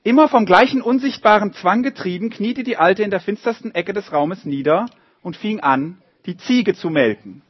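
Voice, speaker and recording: Lively man reading a story to children. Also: high voice, normal speed, husky, dry recording, muffled recording. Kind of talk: reading a story aloud to children, drawing along.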